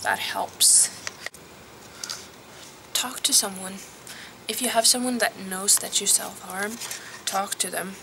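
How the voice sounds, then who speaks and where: Soft-spoken teen girl, outdoors. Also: mid-range voice, slow, long pauses, noisy background. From Norway. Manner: soft, hesitant, drops to a whisper at times. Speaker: vlogger. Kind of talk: casual advice vlog.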